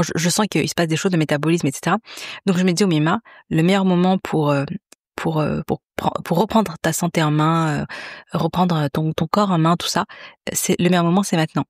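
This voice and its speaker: A woman's voice: lowish voice, a little mellow, no room sound, clean studio sound. A woman, hosting a podcast in a chatty, confiding way, full of fillers and restarts. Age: 30s. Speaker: podcast host. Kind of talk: casual chat.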